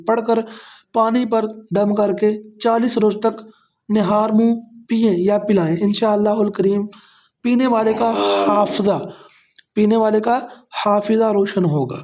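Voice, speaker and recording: A man teaching Quran reading in a patient, repetitive way. He has a mellow, warm tone and stretches each syllable long as he spells it out. The overall delivery sounds unhurried and instructional. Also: sits high. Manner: slowly drawn-out syllables, spelling letters aloud for drilling. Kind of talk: online Quran reading lesson.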